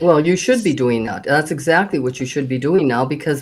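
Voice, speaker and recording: Against noticeable background noise, a woman with a very deep, low pitch speaks with lively intonation. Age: 80s+. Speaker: career coach. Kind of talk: casual chat.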